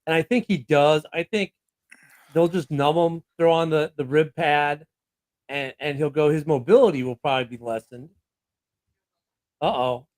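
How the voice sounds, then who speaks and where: Chatty man, slightly high voice. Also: normal speed, long pauses, a little mellow. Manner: loose and chatty, with fillers and laughs. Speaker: podcast co-host. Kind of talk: casual sports chat.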